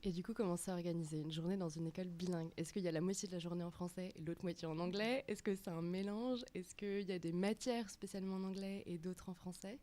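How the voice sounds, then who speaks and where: A woman who hosts a podcast reads a scripted introduction and asks calm interview questions. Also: lowish voice, quick pace, few pauses. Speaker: podcast host. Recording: dry close studio sound.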